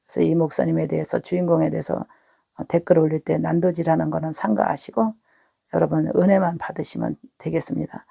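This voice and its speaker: Hoarse gravelly woman pastor. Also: deep voice, fairly even intonation, a little fast, dark tone, no echo, studio quality. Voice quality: husky, gravelly. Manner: earnest, repeats words, talks to listeners directly. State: hoarse from a cold. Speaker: pastor giving a testimony. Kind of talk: spoken testimony to online viewers.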